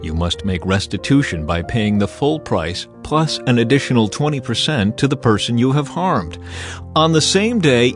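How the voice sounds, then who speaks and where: A man narrating scripture as a dramatized audio reading, with a solemn, measured and emphatic manner. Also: medium pitch. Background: background music.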